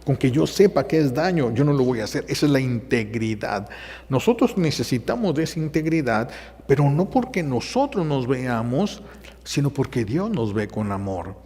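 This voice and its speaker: A priest preaches in a relaxed, conversational manner, stumbling through fillers and slipping into voices for the people in his stories. His voice sits at a middle pitch for a man, and a long reverb trails every phrase as in a large church. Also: normal speed, breathy edge. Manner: conversational, hesitant fillers, acts out quotes. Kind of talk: sermon.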